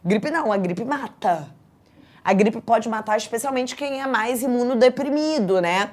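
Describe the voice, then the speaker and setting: A Brazilian woman teaching an exam prep class in a chatty, lively way, often checking in with her students. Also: a little high, moderate pace. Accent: Brazilian Portuguese.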